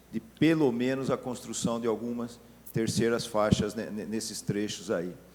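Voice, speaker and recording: Intonation stays fairly even. The room echo is audible. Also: man. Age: 60s. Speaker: city councillor. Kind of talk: council session speech.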